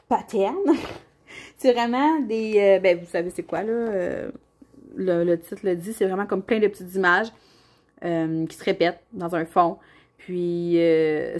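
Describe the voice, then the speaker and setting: A woman's voice: on the low side, darkish tone. Chatty Québécois woman rambling casually. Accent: Québécois French. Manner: chatty and rambling, with many fillers and restarts. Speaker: colouring vlogger. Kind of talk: casual chat showing colouring books.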